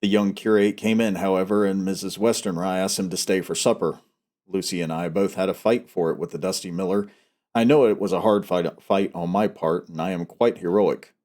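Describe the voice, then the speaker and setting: A man's voice: deep voice, steady tone, fairly quick, a little mellow. A man hosting a novel read-aloud, talking casually and reading in an audiobook style. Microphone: headset.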